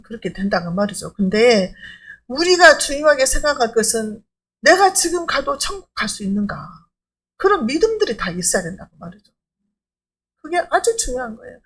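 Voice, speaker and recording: High-voiced woman pastor preaching. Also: fairly bright tone. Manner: emphatic, conversational preaching with rhetorical questions. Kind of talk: sermon.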